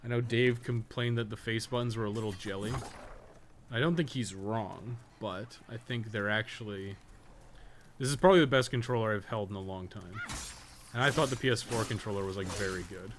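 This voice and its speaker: A man's voice: on the low side, brisk. A man chatting casually while streaming a game, rambling along and swearing freely, with some noise behind him. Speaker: game live streamer, podcast co-host. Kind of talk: casual livestream chat while gaming.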